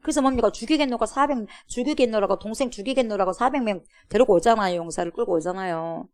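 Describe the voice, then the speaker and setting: A woman pastor delivers a sermon in a church with an emphatic, insistent delivery. She keeps turning to the congregation with repeated rhetorical questions. Her voice sits at a middle pitch for a woman. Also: quick pace, a little mellow.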